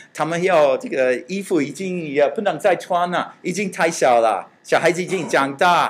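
With an English accent, a man of high pitch talks at a moderate pace with lively intonation on a very clean recording with a silent background. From United States. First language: English (speaking Chinese). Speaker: pastor. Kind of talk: church teaching class. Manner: halting, many fillers.

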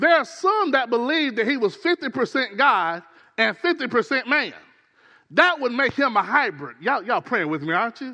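Speaking in a South Carolina accent, a man projects his bright, sharp, extremely high voice with a raised delivery and very wide pitch swings. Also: moderate pace. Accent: Southern US (South Carolina). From US South, South Carolina (Dillon). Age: 40s. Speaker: pastor. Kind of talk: sermon. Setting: church. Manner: animated.

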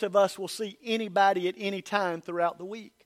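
Man at a moderate pace with fairly even intonation, in a very clean recording with a silent background. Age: 50s. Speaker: pastor. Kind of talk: sermon.

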